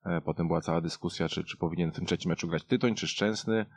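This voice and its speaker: A man in a casual football discussion, talking haltingly and often repeating words as a panelist. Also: low-pitched, no room sound. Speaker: podcast panelist. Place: dry radio studio.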